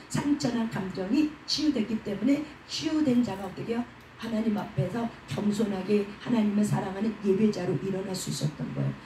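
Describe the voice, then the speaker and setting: Warm-voiced woman preaching in an echoey hall. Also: fairly high pitch, slight background noise. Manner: asks rhetorical questions and answers them herself; has the congregation repeat after her. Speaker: preacher at a prayer house. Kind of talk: sermon. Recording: echoey room, voice from a distant mic.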